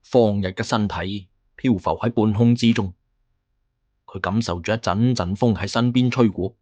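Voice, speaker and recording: A man's voice: lowish voice, normal speed, a little mellow, dull audio. A man with a Cantonese accent narrating a fantasy novel in a dramatic, scripted audiobook style.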